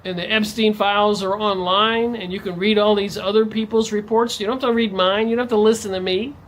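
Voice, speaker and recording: A man's voice: sits high, steady tone, brisk, a little hiss or hum, poor audio. A man vlogging in a ranting monologue, his voice jumping up sharply on stressed words. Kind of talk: monologue to camera.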